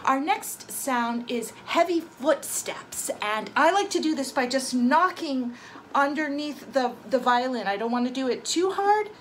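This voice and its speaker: Slow, high-voiced woman teaching violin. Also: expressive, a little hiss or hum. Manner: gentle, patient, explains step by step. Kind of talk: children's music lesson with storytelling. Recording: violin sounds heard alongside her voice. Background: violin playing between phrases.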